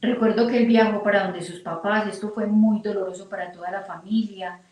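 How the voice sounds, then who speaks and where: A woman's voice: medium pitch, steady tone, fairly quick, a little mellow. A middle-aged woman from Colombia telling her personal faith testimony in an earnest, emotional way. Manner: earnest, quotes her own prayers aloud. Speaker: testimony speaker. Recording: very echoey room, distant mic.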